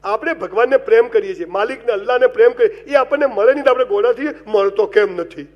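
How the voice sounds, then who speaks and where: A man delivers a humorous motivational talk in a notably high voice. He tells stories with big swings from loud to soft and turns to the audience to give them advice. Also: fast talker, muffled recording. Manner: animated comic storytelling with wide swings in loudness; addresses the audience directly and gives advice. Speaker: motivational speaker.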